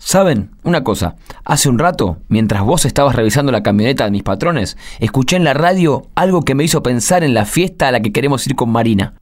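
An earnest young husband in a radio play, acted by a man, devout and gentle. He speaks with an Argentine accent at a medium pitch and is soon to be a father. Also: lively intonation, a little fast, natural voice. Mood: thoughtful, moved. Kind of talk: radio drama acting.

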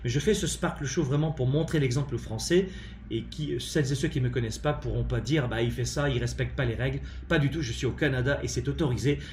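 A man's voice: medium pitch, fast talker, a little hiss or hum. French-accented man, roomy livestream talk. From France. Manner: emphatic, animated, many hesitant fillers. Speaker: leadership coach and live show host. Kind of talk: live-streamed motivational talk. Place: at home.

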